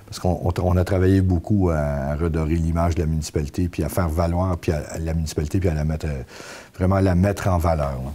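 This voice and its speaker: A middle-aged man with a Quebec French accent, answering interview questions conversationally and haltingly, repeating words as he explains. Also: deep voice, steady tone, dark tone. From Canada (Quebec), Belgian-born. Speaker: town mayor being interviewed. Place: council room.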